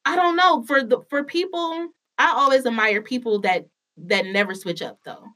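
A woman's voice: fairly high pitch, normal speed, sharp tone. A woman with an African American accent in a casual, candid chat, speaking informally and swearing freely.

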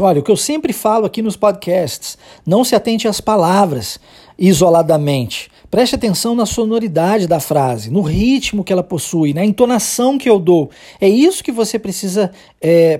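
A Brazilian teacher with a Brazilian Portuguese accent leads a podcast English lesson in a warm, mellow voice with a slightly husky edge. The teacher explains with patience and models each phrase slowly, over and over, for the learner to copy. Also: medium pitch.

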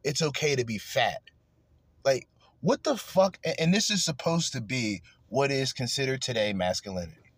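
A man's voice: medium pitch, animated, a little fast, fairly bright tone, no room sound. A man hosting a podcast, ranting crudely and angrily in heated commentary. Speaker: podcast host.

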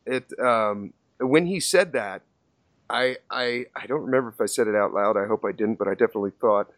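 A man's voice: lowish voice, brisk, fairly bright tone, no room sound, clean studio sound. A man hosting a podcast, casually recounting a poker hand he played, with lots of fillers and restarts. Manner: storytelling with many fillers and restarts. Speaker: podcast host.

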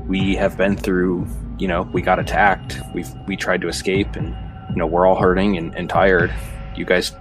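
A man's voice: deep voice, little pitch movement, normal speed, low-quality recording. A man playing a tabletop roleplaying game, casual and slightly tentative, moving between table talk and in-character speech. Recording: loud music bed behind the voice. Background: music.

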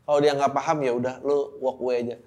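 A man's voice: mid-range voice, level tone, fast, a little mellow. A young man with hosting a podcast, reading listener letters aloud and reacting bluntly with swearing. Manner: blunt and profane, reads letters aloud then reacts with laughter. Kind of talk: casual podcast chat.

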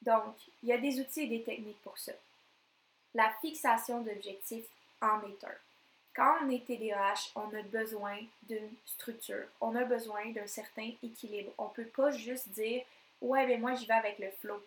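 Québécois woman coach, solo podcast, energetic and emphatic, slightly high voice, echoey room. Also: moderate pace. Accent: Québécois French. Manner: energetic, emphatic, repeats phrases for effect. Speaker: NLP coach.

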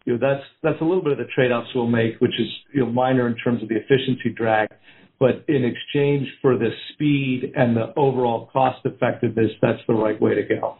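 Male executive, mid-pitched, explanatory business delivery with repeated phrases, heard over a thin phone-like conference line. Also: fairly even intonation, fairly quick. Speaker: company executive on earnings call. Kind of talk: answering analyst questions, unscripted business talk. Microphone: conference call line. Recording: narrow tinny phone-line sound.

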